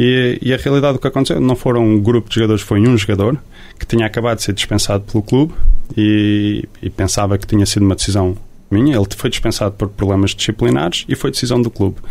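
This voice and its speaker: Ordinary pitch variation marks speech delivered at a very fast pace. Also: man, fairly low pitch for a man. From Luxembourg (Portuguese family). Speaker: football coach. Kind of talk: interview.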